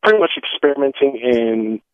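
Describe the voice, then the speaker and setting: A man's voice: medium pitch, lively intonation, dry recording. Guy from michigan calling in from his car, super tinny cutting-out phone line, lots of uh's and stops. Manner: hesitant, halting, full of "uh" and restarts. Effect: calling on a phone while driving, line breaking up. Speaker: caller. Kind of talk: call-in radio chat.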